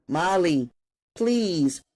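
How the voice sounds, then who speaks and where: A man voicing a frightened, naive teenage girl who pleads in a high, strained voice. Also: big pitch swings, unhurried, darkish tone. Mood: pleading.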